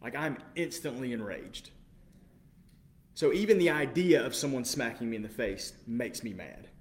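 A man preaching a sermon with passion, moving between quiet, measured passages and loud, incredulous outbursts. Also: medium pitch. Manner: impassioned, swings from quiet to loud exclamation.

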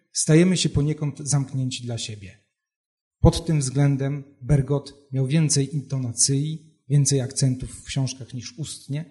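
A man who hosts a literary discussion, reading a prose passage aloud in a steady voice and then talking about it with some hesitation. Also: medium pitch, breathy edge.

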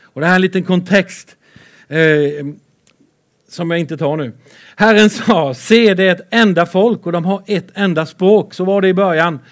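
A man preaching a lively sermon with Bible readings, excitable and playful, swinging between loud and soft. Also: high-pitched.

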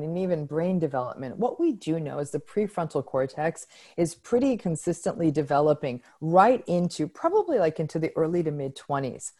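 Low-voiced woman, frank psychologist guest. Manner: articulate, frank, lively emphasis. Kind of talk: interview answer.

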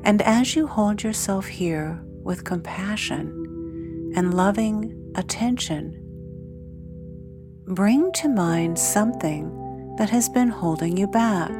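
A woman leading a guided meditation in a soothing, measured way, leaving long pauses between phrases. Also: medium pitch. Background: meditation music with singing bowls.

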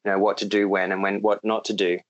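A man's voice: on the low side, quick pace, dull audio. A young Australian man talking casually as a podcast guest, rambling with lots of ums and easy laughs. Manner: relaxed, rambling with many ums, laughs easily.

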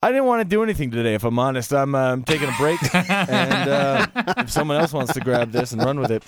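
A man hosting a podcast in casual chat, relaxed and hesitant with fillers. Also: medium pitch, quick pace. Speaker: podcast host and discussion facilitator.

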